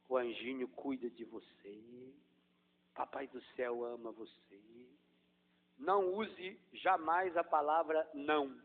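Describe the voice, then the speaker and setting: A man, a Catholic priest, preaching a sermon, swinging from hushed, gentle demonstration to loud, drawn-out emphasis. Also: fairly high pitch. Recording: echoey hall over a tinny, phone-like line.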